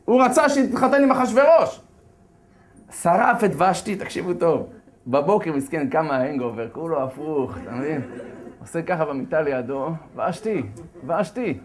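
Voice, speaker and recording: A religious lecturer retelling a holiday story in a lively, slangy, joking way, then turning to its lesson. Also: male voice, on the high side. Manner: animated, slangy, jokey storytelling. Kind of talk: lively comic Torah talk.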